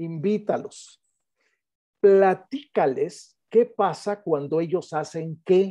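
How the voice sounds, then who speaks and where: Over a quiet background, the speaker has a dark, mellow tone and a very slow pace. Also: man, high pitch for a man, ordinary pitch variation. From Mexico. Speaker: psychology professor. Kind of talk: lecture. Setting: video call. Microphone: video call.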